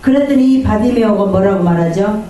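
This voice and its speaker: Woman pastor, sermon, dark mellow voice, distant mic, heavy hall echo. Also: mid-range voice, brisk, a little hiss or hum. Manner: preaching with call-and-response amens, acting out quoted voices. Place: church sanctuary. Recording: echoey church hall from far off.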